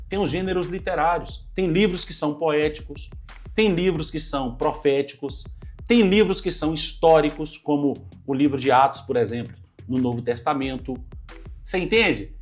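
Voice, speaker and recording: Pastor, slightly high male voice, earnest Bible lesson over soft music. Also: moderate pace. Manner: earnest teaching, addresses listeners as brothers. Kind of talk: Bible study teaching. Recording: light music underneath.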